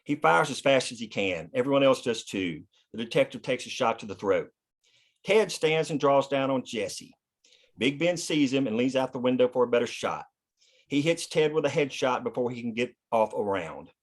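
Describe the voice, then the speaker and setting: A man's voice: mid-range voice, animated, moderate pace. Man reading screenplay stage directions. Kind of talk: scripted narration at a screenplay table read.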